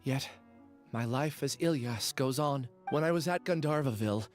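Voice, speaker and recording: Guy doing a soft-spoken sorry young man in a game, earnest, quiet music behind. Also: mid-range voice, normal speed, lightly acted. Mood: regretful. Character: remorseful, gentle young man gaining courage. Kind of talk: video game voice acting.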